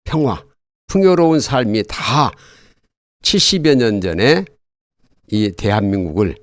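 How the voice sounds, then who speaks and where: Older male expert guest for an interview: earnest, halting explainer, animated intonation, dry close sound. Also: lowish voice, dry recording. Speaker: guest, retired army colonel and military history author.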